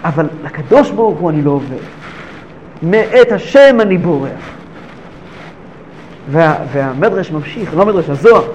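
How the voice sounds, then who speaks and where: A man teaching a Hasidic text lesson, asking rhetorical questions and swinging between hushed and emphatic delivery. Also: fairly high pitch, expressive, pauses often, lo-fi sound, a little hiss or hum. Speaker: Torah teacher.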